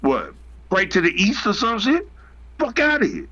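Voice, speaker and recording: A man taunts and swears in a high voice that leaps up and down. He keeps repeating his jabs, and the lo-fi stream audio sounds muffled. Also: huge pitch swings, normal speed, bright, forceful tone. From United States. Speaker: debate participant. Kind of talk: heated live-stream argument.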